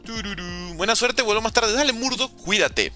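Young man, joking streamer, very bright voice, faint music behind. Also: very high-pitched, expressive, moderate pace. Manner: joking, reads out viewer questions and replies. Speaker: gaming streamer. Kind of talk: casual live-stream chat while playing. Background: faint background music.

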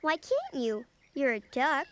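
High-voiced, playful little bear cub. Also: female voice, huge pitch swings, a little slow, background noise, exaggerated voice. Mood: curious, helpful. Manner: playful, imaginative, encouraging. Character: cheerful young bear cub, confident little would-be teacher. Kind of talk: children's cartoon acting. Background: music.

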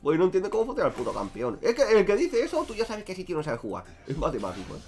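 Young male streamer, quick and lively, crude banter, faint music behind. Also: high voice. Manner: crude, joking, talks to chat. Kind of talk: casual gameplay commentary.

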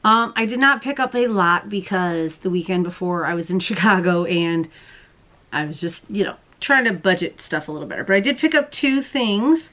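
A woman's voice: lowish voice, normal speed, a bit bright. A woman in her thirties hosting a yarn vlog, chatty and bubbly with frequent laughs. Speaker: yarn vlogger host. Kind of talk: casual chat. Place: busy yarn festival hall, then home studio. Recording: crowd noise at festival.

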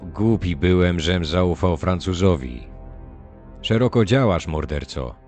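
Stern Puritan wanderer played by a man: low-voiced, gloomy, fury held in check, audiobook adventure. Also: expressive, measured pace, a little mellow, soft background music. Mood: grim, bitter. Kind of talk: dramatized audiobook acting.

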